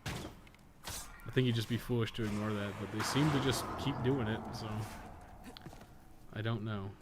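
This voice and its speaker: A man's voice: on the low side, steady tone, a little slow, heavy background noise. A man chatting casually on a game livestream, blunt, opinionated and sweary as he rambles. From North America. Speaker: game streamer and podcast co-host. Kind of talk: casual livestream chat while playing a game.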